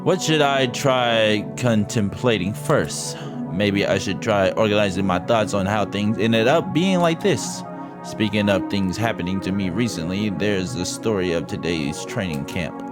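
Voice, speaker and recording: Game music runs under a man reading a visual novel aloud at a measured pace, his pitch fairly low. As a streamer giving a casual let's-play translation, he drops in casual, irreverent remarks.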